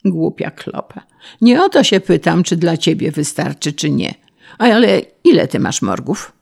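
A woman voicing a bullying, shouting male district official, speaking with contempt. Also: a little high, big pitch swings, moderate pace, creaky, exaggerated voice. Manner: barking, contemptuous.

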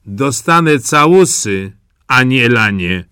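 A man's voice: medium pitch, animated, takes it slowly, bright, forceful tone, clean tone, no room sound, clean studio sound, pitched above the performer's own voice, heavily acted. A man voicing a simple, good-natured old farmer who speaks earnestly, in a storybook reading.

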